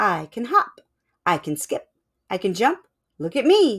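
Plain reading aloud comes through against a quiet background.

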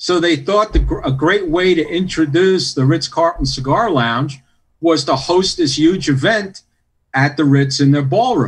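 A man with an American accent and an unremarkable speaking voice talks at a fairly high pitch and a fairly slow pace, with very even loudness and ordinary pitch variation. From New York City. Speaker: interview guest. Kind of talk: interview. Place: home room. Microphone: webcam.

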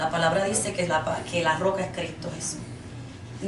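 The speech moves at a fairly quick pace with fairly even intonation, set against light background noise and audible room echo. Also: woman. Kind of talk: sermon. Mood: earnest, solemn. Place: hall. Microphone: camera far.

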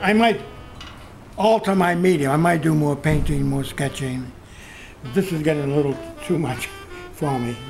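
A man with a fairly high pitch and ordinary pitch variation speaks with long, frequent pauses over clear background music. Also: moderate pace. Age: 80s+. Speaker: metal sculptor. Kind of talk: interview answer. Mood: reflective, content. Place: workshop. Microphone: camera far.

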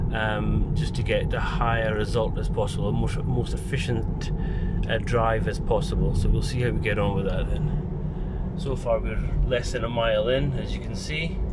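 Speech moves at a moderate pace over loud background noise. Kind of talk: casual vlog commentary. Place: car. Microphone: phone near.

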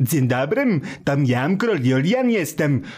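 The man puts on a character voice pitched fairly high. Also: fairly slow pace. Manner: drawn-out words with a throaty ending sound.

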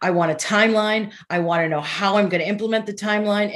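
A whiny, put-on character voice at a very fast pace. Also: woman, medium pitch for a woman. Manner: whiny, demanding.

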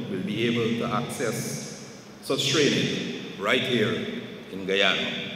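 Light background noise and audible room echo accompany a man as he speaks. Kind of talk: formal speech. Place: hall. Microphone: handheld.

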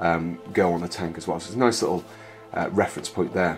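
A man talks very fast while music plays faintly behind him. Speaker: hobby channel host. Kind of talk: unboxing review commentary. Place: home room.

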